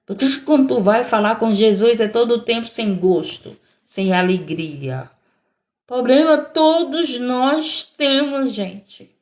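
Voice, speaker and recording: A woman missionary preaching a sermon, emphatic and repetitive, often breaking in with praise. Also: fairly high pitch.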